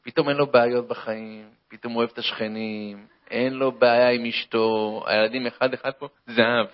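With a mid-range voice, a man tells a comic story and then draws a moral from it, delivering it in an animated, lecturing way. The recording is dull and lo-fi.

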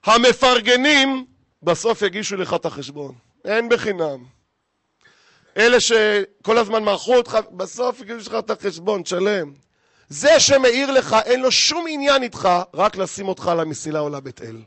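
Male rabbi, fairly high voice, dry close sound, preaches with humor and rhetorical questions. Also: no room sound. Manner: lively and joking, firing rhetorical questions at the audience. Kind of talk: humorous sermon to a live congregation.

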